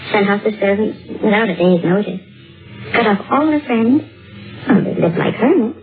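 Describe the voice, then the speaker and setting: An actress playing a gossipy, nosy housekeeper. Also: female voice, medium pitch, expressive, normal speed, faint music behind, close to an everyday voice. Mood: confiding. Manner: gossipy, scolding, talkative. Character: chatty nosy middle-aged housekeeper. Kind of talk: 1950s radio drama acting. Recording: tinny old radio broadcast.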